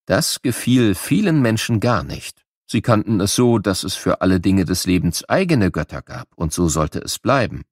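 A man narrating a scripted educational audiobook for children with measured, clearly phrased storytelling. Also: on the low side, no room sound, studio quality.

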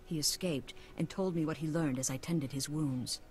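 A voice actor playing a grave, measured tribal elder in a video game. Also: medium pitch, slight background noise, natural voice.

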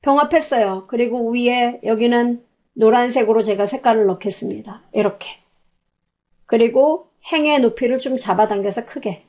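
A woman with a high voice walks the class through a spreadsheet step by step. She talks in a chatty way, tossing out questions and answering them herself. It sounds like a voice-over on a screen recording. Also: normal speed, a little mellow. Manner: chatty, asks and answers her own questions. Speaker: computer instructor. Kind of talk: spoken software tutorial.

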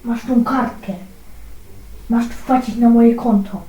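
A woman voicing a curt, threatening blackmailer, quiet and distant. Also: a little high, steady tone, slow pace. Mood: menacing. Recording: roomy, distant, faint noise.

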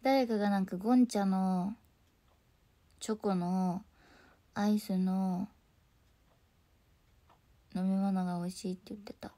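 A young woman hosting a casual morning livestream, talking softly and sleepily and often dropping into whispers. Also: mid-range voice, fairly even intonation, measured pace, long pauses. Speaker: idol livestream host.

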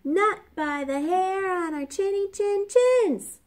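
A woman's voice: very high voice, expressive, slow pace, darkish tone, pitched above the performer's own voice, exaggerated voice. A woman voicing small, squealing male piglets who refuse and tease in a sing-song way. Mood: defiant squeal.

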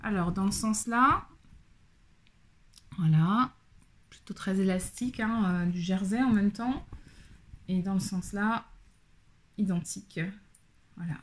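A woman's voice: medium pitch, slow, pauses often, slight background noise. A woman casually chatting through a fabric haul for her sewing channel, talking loosely with lots of fillers. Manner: chatty, many fillers, handling and showing fabric. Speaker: sewing vlogger.

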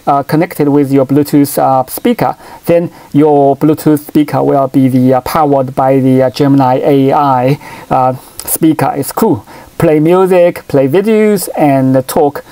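A middle-aged man whose first language is Chinese, explaining phone settings at his home desk. He speaks haltingly, full of fillers and restarts, in a mellow, warm voice. The sound is dry and close, recorded by a camera over the desk. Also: a little high, dry recording. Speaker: tech channel host. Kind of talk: hands-on phone tutorial. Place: desk at home, in front of a computer.

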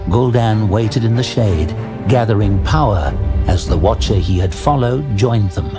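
Male storyteller: lowish pitch, deliberate and measured, scripted fantasy drama over a prominent score. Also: expressive. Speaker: narrator. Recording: loud music under the narration.

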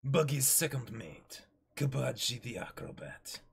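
A man acts out a cocky pirate swordsman from a manga. The voice is very raspy and creaky, boastful and theatrical, delivered slowly. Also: medium pitch, expressive, full character voice. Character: cocky male acrobat swordsman, pirate second mate.

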